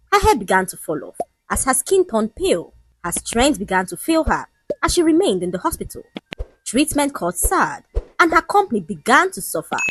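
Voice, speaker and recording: A woman narrating a scripted story in a dramatic, expressive way. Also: mid-range voice, low-quality recording.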